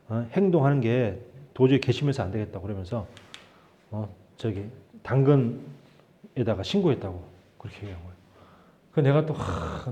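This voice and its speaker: A man's voice: a little high, warm tone, muffled recording. A man preaching a sermon as pastor, in a conversational style that acts out the quotes he tells. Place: church sanctuary.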